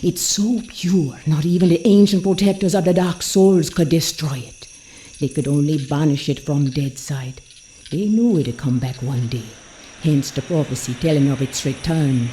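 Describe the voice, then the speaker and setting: An actress voicing a commanding, seductive voodoo priestess in a video game, a mysterious mentor with a portentous, folksy way of talking. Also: female voice, deep voice, fairly even intonation, moderate pace, warm tone, slight background noise, natural voice. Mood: grave, urgent. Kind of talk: dramatic game cutscene acting.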